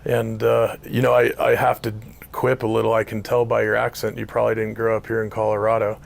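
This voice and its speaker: Low, gravelly male interview host. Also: completely flat delivery. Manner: measured, gently probing questions. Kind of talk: interview hosting. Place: outdoors.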